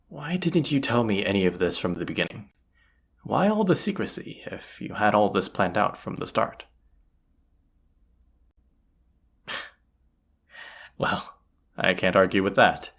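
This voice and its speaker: An actor playing a gruff, teasing bandit leader in a roleplay audio drama, with a husky voice and a sardonic, folksy drawl. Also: low-pitched, full character voice. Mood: puzzled, humbled.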